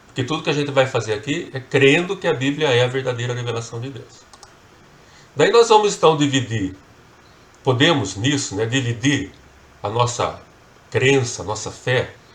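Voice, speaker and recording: Noticeable background noise and audible room echo surround a man speaking in a fairly high voice. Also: long, frequent pauses. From Brazil, São Paulo state. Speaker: Bible course teacher. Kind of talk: lecture. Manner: conversational, many fillers.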